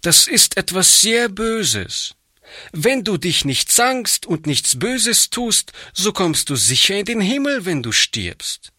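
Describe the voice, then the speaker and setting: A man's voice: sits high, sing-song, slow pace, bright, forceful tone, breathy edge, dry recording, clean studio sound, pitched above the performer's own voice, heavily acted. A man voicing an earnest pleading little girl. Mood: pleading, eager. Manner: pleading, eager. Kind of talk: audiobook reading.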